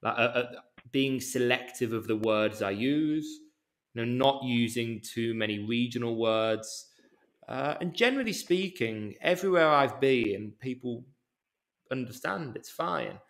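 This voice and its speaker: A man with a mild Birmingham accent talks through a casual interview at a medium pitch. He speaks deliberately and a touch slowly, picking his words carefully for international listeners. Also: lively intonation, fairly bright tone. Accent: mild Birmingham English. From England. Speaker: yoga teacher, podcast guest.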